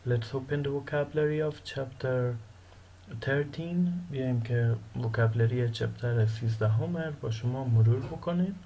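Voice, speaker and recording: Gravelly-voiced male law lecturer. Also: mid-range voice, warm tone, dull audio, a little hiss or hum. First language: Persian. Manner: switches between Persian and slow, drilled English; repeats each vocabulary word slowly for pronunciation. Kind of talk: recorded online lecture.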